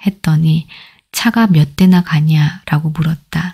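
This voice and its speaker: A woman speaks at a fairly slow pace in a calm, somewhat breathy tone, fairly low in pitch with monotone, flat intonation, recorded dry and close with no echo. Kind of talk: audiobook reading. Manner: calm, soft-spoken.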